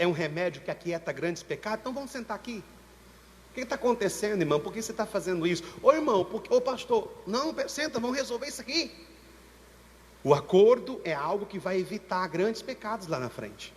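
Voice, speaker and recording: A Brazilian man with a Brazilian Portuguese accent, preaching a sermon as pastor at a church service with impassioned, slow, emphatic repetition. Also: high-pitched. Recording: church reverb with long echo tail.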